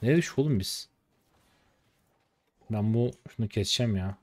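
At a moderate pace and in a lowish voice, a streamer from Turkey in his late twenties narrates his own gameplay. His commentary is slangy and casual, and excitable shouts come out when the game takes a turn.

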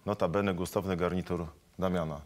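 A middle-aged man hosting a TV studio chat, teasing his guests with quick follow-up questions on a lapel mic. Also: sits low, fairly even intonation, noisy background. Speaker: studio host.

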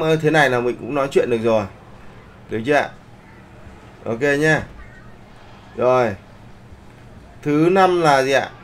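A man with a medium-pitched voice teaches art in a live online session, and there's a little hiss or hum in the recording. Using polite particles, he regularly checks whether the students are keeping up.

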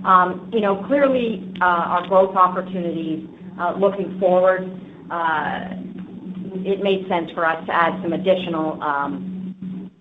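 A woman, a finance executive, calmly explaining answers on an earnings conference call with some fillers. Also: on the low side, a little slow. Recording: tinny, echoey phone line with faint hiss.

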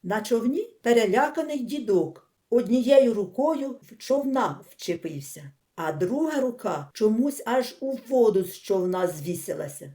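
A woman reading a humorous story aloud as an audiobook, with expressive, animated storytelling. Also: a little high, unhurried, hardly any pauses. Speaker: audiobook reader.

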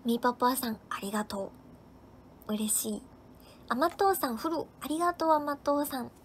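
Slight background noise sits under a woman's high, expressive voice moving at a normal pace. She's hosting a casual live stream, cheerfully reading out viewers' comments and thanking each person by name.

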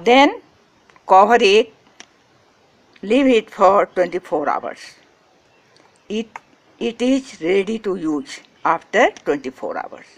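Slow, clipped woman giving garden instructions. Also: medium pitch, animated. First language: Hindi. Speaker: gardening channel host. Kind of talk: step-by-step how-to narration.

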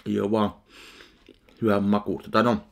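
A middle-aged man from Finland reviewing a salad in a casual food-tasting vlog at his kitchen, slow and deadpan between bites, recorded on a webcam. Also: fairly low pitch, gravelly. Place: kitchen indoors.

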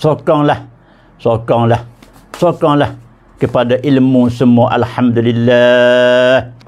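Slow, jovial Patani Malay preacher. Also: male voice, mid-range voice, level tone, darkish tone. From southern Thailand. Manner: jovial, quizzes the audience, chuckles often. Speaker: religious teacher. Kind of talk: religious lecture. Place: mosque.

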